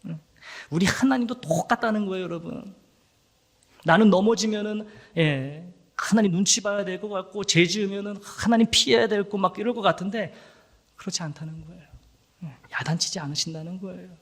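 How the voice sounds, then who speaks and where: A pastor delivers a sermon in a church sanctuary, acting out quoted voices and sometimes dropping to a whisper. His voice is high-pitched and fairly quick, with long hall reverb on the recording.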